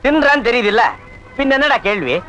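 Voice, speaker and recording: An actor playing a boastful comic village moneylender and doting brother in a film comedy, talking in a theatrical, bragging way. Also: male voice, very high voice, animated, fast talker, bright, forceful tone, faint music behind, exaggerated voice. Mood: teasing. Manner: theatrical, bragging, breaks into off-key song.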